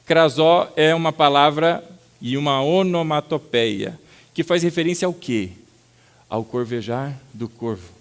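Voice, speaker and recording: Brazilian male pastor, sermon delivery, slightly high voice, animated storyteller who breaks into loud acted-out lines and keeps calling the congregation brother. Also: measured pace. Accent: Brazilian Portuguese. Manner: lively storytelling with sudden loud acted-out outbursts.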